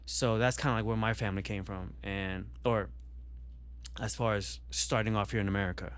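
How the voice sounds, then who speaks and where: Low, smooth-voiced man rambling casually. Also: steady tone, brisk, a bit bright. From Vietnam. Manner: rambling, many fillers and restarts. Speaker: podcast guest. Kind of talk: casual podcast conversation.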